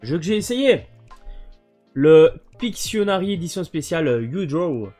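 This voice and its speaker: A man's voice: a little high, sing-song, unhurried, mellow, soft background music. A man casually presenting his video game collection, hesitant and full of fillers. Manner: hesitant, many fillers and restarts.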